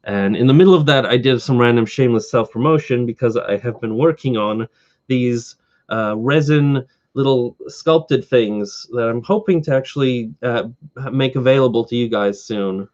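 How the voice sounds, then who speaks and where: A slightly hoarse man chatting casually on a live stream, wandering from point to point with eager enthusiasm. His voice sits at an ordinary middle pitch. The audio is dull and lo-fi. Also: moderate pace, darkish tone. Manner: rambling, eager collector fan. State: slightly hoarse from talking all day. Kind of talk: casual live stream chat answering viewers.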